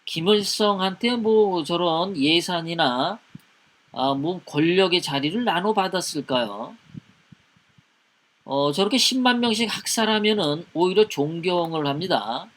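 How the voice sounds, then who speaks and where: A man's voice: high voice, expressive, measured pace, a bit bright. A man a hosting a live political commentary show, reading out viewer comments many hesitant fillers.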